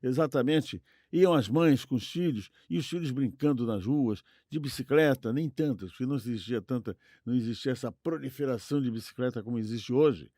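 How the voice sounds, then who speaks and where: An older Brazilian man co-hosts a nostalgic, casual conversation. His medium-pitched voice is recorded dry, without room sound. He rambles and repeats phrases for emphasis. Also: a little fast, hardly any pauses, mellow, no echo. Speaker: podcast co-host.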